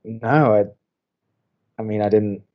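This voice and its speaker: Reserved young college DJ, deep voice, dry, hesitant, quietly in love, radio rom-com, slightly dulled recording. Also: male voice, steady tone, drawn-out words, dull audio. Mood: flustered, moved. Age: young adult. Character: reserved, antsy young male co-host softening into love. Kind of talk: naturalistic audio romantic comedy acting.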